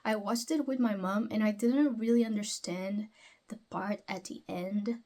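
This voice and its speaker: A woman's voice: mid-range voice, a little slow, mellow. A young woman, a book vlogger talking casually at home, chatty and rambling, often questioning herself aloud.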